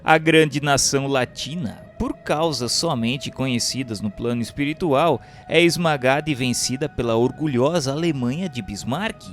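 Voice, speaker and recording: A Brazilian man narrates in a formal, solemn register, as if reading an audiobook. His mid-pitched voice is declamatory and carefully scripted. Instrumental music plays beneath his words. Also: normal speed, hardly any pauses. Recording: music bed under the voice.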